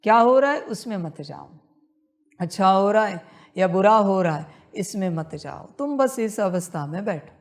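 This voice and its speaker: A woman leading a guided meditation, repeating her instructions in a slow, insistent spiritual talk. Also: medium pitch, lively intonation.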